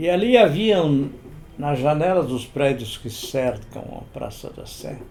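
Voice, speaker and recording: Over noticeable background noise, a man with a fairly high pitch speaks very slowly with lively intonation. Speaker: magazine editor-in-chief, journalist. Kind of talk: weekly commentary to camera.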